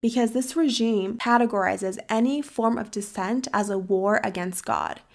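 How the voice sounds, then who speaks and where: A young woman hosting a podcast, talking in an earnest, measured and serious way. She grew up in the United States and her first language was Farsi. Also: fairly high pitch, gravelly, darkish tone. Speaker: podcast host. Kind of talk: earnest interview and commentary.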